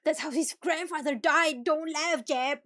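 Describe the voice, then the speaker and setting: High-voiced, excitable woman streamer. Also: unhurried, no room sound, studio quality. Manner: animated, excitable, teasing, exclaims and swears freely. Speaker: streamer playing a visual novel. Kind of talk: reading game text aloud with reactions. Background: music.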